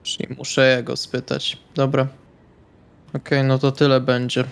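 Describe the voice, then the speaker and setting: A male tabletop player with a middle-pitched, creaky voice. His intonation is very flat as he speaks in character, hesitant and understated. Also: measured pace. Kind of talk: in-character tabletop roleplay, conversational.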